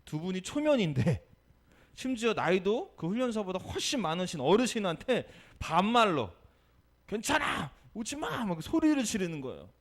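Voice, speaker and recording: A male pastor giving a Sunday sermon, telling a story with lively energy and asking the congregation questions. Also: high voice, moderate pace. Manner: animated storytelling, acting out quotes.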